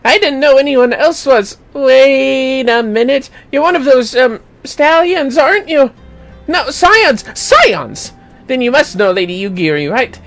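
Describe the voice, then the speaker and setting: An eager little child, pitched very high and swooping with bouncy excitement. The game character exclaims brightly over background music. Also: measured pace. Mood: excited, chatty. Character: eager, excitable little child who adores hide and seek.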